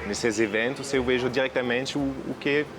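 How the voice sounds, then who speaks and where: A man's voice: medium pitch, steady tone, moderate pace, background noise. A French man speaking Portuguese as a second language with a French accent, thoughtful and hesitant in an interview. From France. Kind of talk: casual interview testimony. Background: background music.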